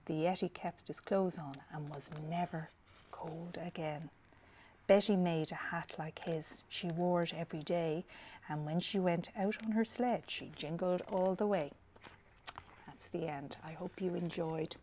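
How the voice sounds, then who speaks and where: A woman's voice: fairly low pitch, measured pace, darkish tone, a little hiss or hum. A woman reading a children's picture book aloud expressively, with asides to young listeners. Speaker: library storyteller.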